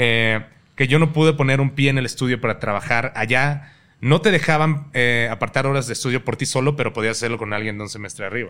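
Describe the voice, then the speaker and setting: At a fairly quick pace, a man talks in a bright, sharp tone at a medium pitch with ordinary pitch variation. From Chiapas, Mexico (Tuxtla Gutiérrez). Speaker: YouTuber. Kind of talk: casual chat.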